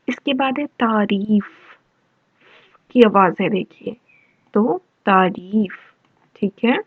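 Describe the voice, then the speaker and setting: Patient woman teacher, slightly high voice, unhurried delivery, dry lo-fi voice-over. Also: no room sound. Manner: slow, patient, explains word by word. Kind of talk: worksheet lesson for children. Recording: dull lo-fi voice-over.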